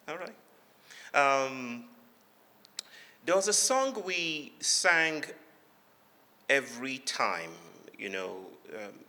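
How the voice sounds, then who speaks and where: A man from Nigeria with a Nigerian accent gives a public talk, reflective and playful, telling stories in measured phrases with dramatic pauses. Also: mid-range voice, pushed and bright. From Lagos, Nigeria. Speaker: guest speaker giving a lecture. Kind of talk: public talk, storytelling with humour. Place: large hall before an audience. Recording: echoey hall with long reverb.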